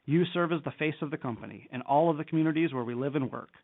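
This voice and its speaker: A man's voice: a little high, racing, vocal fry. Man on a narrow phone line, corporate presenter. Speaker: company executive on an earnings call. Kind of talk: scripted corporate presentation, read aloud. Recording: narrow phone-line conference call audio.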